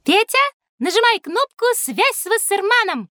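A woman's voice: very high voice, very animated, moderate pace, sharp tone, dry recording, studio quality, heavily acted. A woman voicing Masha, a curious little girl who asks question after question in a scripted children's audio drama. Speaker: child character in an audio encyclopedia.

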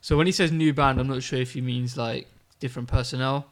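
A man's voice: mid-range voice, fairly even intonation, brisk. A man in casual podcast chat, laid-back, swearing a lot and laughing often.

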